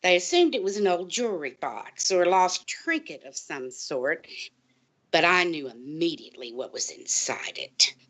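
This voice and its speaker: A woman's voice: fairly low pitch, animated, moderate pace, fairly bright tone. A woman playing a conspiratorial whistleblowing librarian, urgent and portentous, in a scripted audio drama. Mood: suspenseful.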